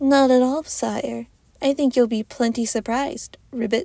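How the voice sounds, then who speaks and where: A woman's put-on character voice, high-pitched and croaky, at a moderate pace with fairly even intonation. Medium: read story. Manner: formal, deferential, ends lines with a croak.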